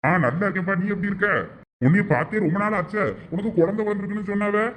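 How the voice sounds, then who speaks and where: A man with a Thoothukudi Tamil accent, talking quickly in a high voice, friendly and persuasive. A faint outdoor ambience and light hiss sit behind him. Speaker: villager asking a shopkeeper for a job for a youth. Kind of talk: village comedy drama acting.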